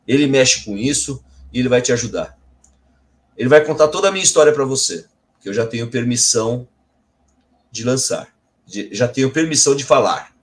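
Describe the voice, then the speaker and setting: A stern male spirit guide, curt and commanding, as a storyteller puts him on. He speaks at an ordinary middle pitch, with no softness in his orders. The voice stays close to the storyteller's own. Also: animated, fairly quick, lightly acted. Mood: solemn.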